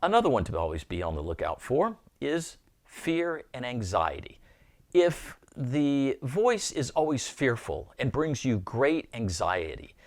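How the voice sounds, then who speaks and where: A man giving an earnest, informal Christian teaching, often repeating words as he thinks aloud. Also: mid-range voice.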